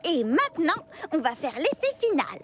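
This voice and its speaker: A woman's voice: high voice, very animated, moderate pace, heavy background noise. A woman voicing a boastful, melodramatic little girl who loves to dance, in a theatrical children's cartoon dub. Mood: eager, triumphant. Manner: theatrical, exclaiming. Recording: music behind the voice.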